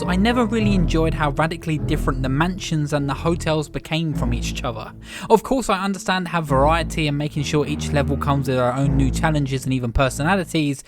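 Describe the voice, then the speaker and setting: A slightly hoarse man hosts a scripted video essay, speaking earnestly and with clear enthusiasm. His voice sits a little higher than most men's. Music plays steadily underneath. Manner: earnest, enthusiastic reflective delivery.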